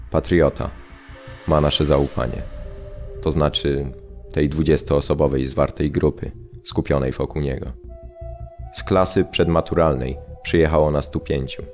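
A grave male prisoner in a radio play. His voice is extremely deep, and he recalls events in measured, restrained phrases over faint music. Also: a little mellow. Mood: sombre recollection. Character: Polish male camp prisoner recounting his arrival, sombre and restrained. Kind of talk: radio drama memoir narration.

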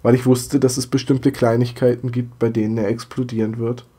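Ein leicht erkälteter Mann plaudert als Co-Host eines Podcasts, erzählt ausführlich und lacht. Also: male voice, medium pitch, little pitch movement, a little fast, dark tone, slightly rough. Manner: chatty, laughs, imitates voices. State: slightly congested from a cold. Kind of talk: casual podcast chat.

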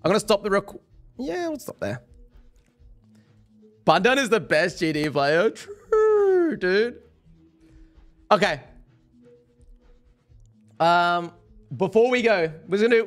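A young man streaming a game live, excitable and worn-voiced, swinging from mumbles to yells. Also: high-pitched. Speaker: gaming streamer. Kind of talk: live-streamed gameplay chat.

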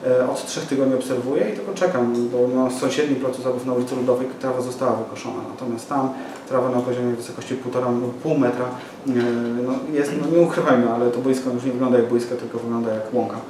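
Man, 40s, halting press statement, flat delivery, roomy distant recording. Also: mid-range voice. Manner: hesitant, many fillers and restarts. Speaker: local party activist at press conference. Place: small office room with window. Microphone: far camera mic. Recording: echoey room from far off, noisy.

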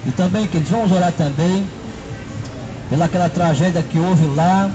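A middle-aged man preaches outdoors in a city square, his voice sitting high for a man. He holds a handheld microphone and leans on repeated "né" and "não é" tags. Music plays clearly behind him in the open air. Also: normal speed, dull audio. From Brazil. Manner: repetitive, fills with "né" and "não é". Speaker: street preacher.

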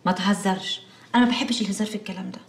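Brief: fast-talking Egyptian actress as a worried young wife, emotional. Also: female voice, mid-range voice, fairly even intonation, creaky, lightly acted. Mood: teasing. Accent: Egyptian Arabic. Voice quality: pleading, emotional. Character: devoted anxious young wife. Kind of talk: TV drama acting.

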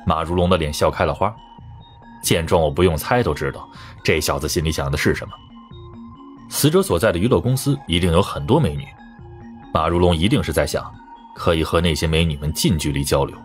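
A man's voice: low-pitched, brisk. A man reading a first-person crime novel as scripted narration. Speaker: audiobook narrator. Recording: music under the voice. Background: background music.

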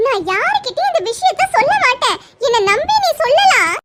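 A woman voicing a caring older sister in a cartoon who gently questions and coaxes. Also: extremely high pitch, sing-song, a little fast, noisy background. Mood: coaxing. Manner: coaxing, questioning. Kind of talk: cartoon voice acting.

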